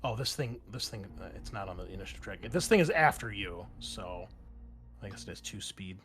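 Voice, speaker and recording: A man's voice: fairly low pitch, lively intonation, fairly quick, fairly bright tone. Man refereeing a tabletop game. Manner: informal, explains rules as he goes. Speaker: game master.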